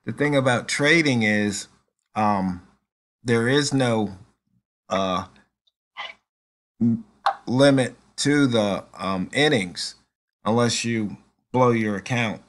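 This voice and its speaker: A man's voice: medium pitch, takes it slowly, long pauses, a bit bright. A man in casual conversation on a call, thinking aloud with frequent "um" and "uh" and reaching for analogies. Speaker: trader.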